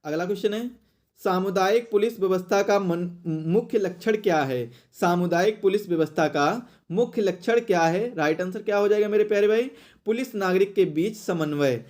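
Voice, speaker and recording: A man's voice: high-pitched, normal speed, darkish tone. A man teaching an exam question-and-answer lesson, explaining and repeating phrases for emphasis.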